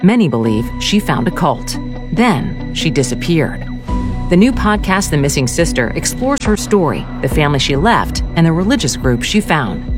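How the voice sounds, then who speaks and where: A woman's voice: low-pitched, sing-song, moderate pace, over music. A woman reading a suspenseful, grave podcast trailer. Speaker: podcast ad narrator. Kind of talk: dramatic scripted ad narration.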